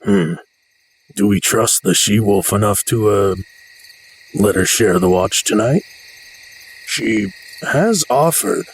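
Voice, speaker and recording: A man's voice: fairly low pitch, lively intonation, slow pace, pauses often, a little hiss or hum, low-quality recording. A man voicing an older uncle wolf in an audio drama, cautious and hesitant as he ponders his words. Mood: doubtful.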